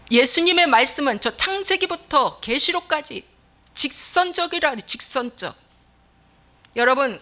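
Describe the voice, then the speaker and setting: A middle-aged woman pastor preaching a sermon in an animated way, acting out Bible figures in short bits of dialogue. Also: sits high.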